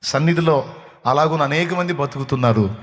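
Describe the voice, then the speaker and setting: High-voiced preaching man in a reverberant hall. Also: normal speed, slight background noise. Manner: preaching with dramatic acted quotes and sung hymn lines. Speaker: pastor. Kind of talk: sermon. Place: church hall.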